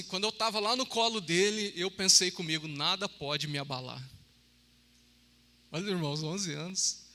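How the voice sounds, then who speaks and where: Male preacher, high bright voice, chatty sermon, church hall reverb. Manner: chatty, joking, with frequent "amém?" and "né?".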